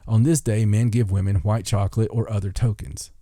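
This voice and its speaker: Mellow, low-voiced man hosting casually. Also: fairly even intonation, brisk, no echo, studio quality. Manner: folksy, self-interrupting, stumbles over foreign words. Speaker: podcast host. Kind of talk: reading listicle aloud with casual joking asides.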